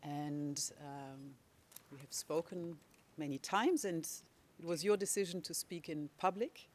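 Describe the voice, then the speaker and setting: In a courtroom, a lawyer questions a witness with a measured, deliberate manner and a medium-pitched voice.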